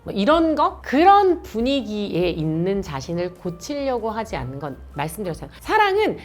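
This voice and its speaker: Woman, Gyeongsang Korean accent, host, casual advice talk, animated, very lively pitch. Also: normal speed, soft background music. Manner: animated, acts out quoted dialogue. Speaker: host giving dating advice.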